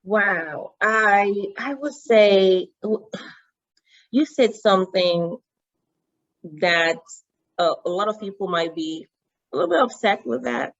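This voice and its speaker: A woman from Cameroon with a Cameroonian accent, her first language Yemba, telling her story as an interview guest in an animated way with frequent restarts. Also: mid-range voice, slow, pauses often. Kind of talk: interview conversation. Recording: dull lo-fi sound.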